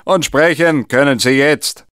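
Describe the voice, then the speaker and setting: A man's voice: fairly high pitch, measured pace, fairly bright tone, no room sound, clean studio sound. A man voicing a formal, comic answering machine announcer in a phone menu manner. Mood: dry, courteous. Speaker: voice impressionist recording answering machine messages.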